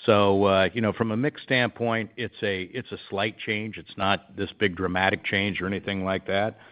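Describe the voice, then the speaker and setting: A man speaking as a company executive, answering analysts on an earnings call in a measured, upbeat corporate way. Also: on the low side, steady tone. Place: conference call. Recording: dull, band-limited conference call audio.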